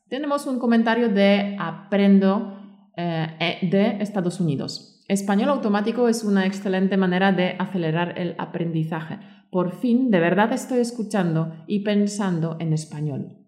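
On her language-learning podcast, a Spanish teacher reads aloud and speaks encouragingly to listeners to motivate them. She has a mid-range, slightly mellow voice, and the sound is roomy.

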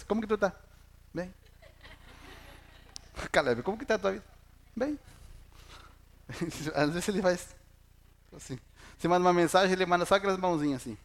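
Field: Sermon. man preaching, lively. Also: a little high, gravelly. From Chile. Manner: lively, jokes with the congregation, asks questions. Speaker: pastor.

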